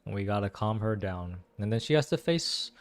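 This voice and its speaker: Animated young guy reacting to a game. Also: on the low side, fairly quick. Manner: slangy, animated, exclamatory. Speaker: game streamer reacting to a story quest. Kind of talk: casual gaming reaction commentary.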